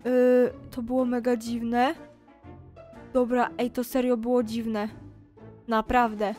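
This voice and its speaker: A woman's voice: fairly high pitch, little pitch movement, takes it slowly, darkish tone, faint music behind. A woman gaming YouTuber narrating a role-play game and chatting to her viewers. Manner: addresses viewers directly, chatty.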